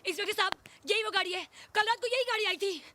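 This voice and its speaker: A woman's voice: fast talker, loud music behind the voice. An actress playing a grieving widow who accuses and shrieks at her husband's supposed killer in a Hindi film scene. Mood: urgent. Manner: accusing, shrill outbursts.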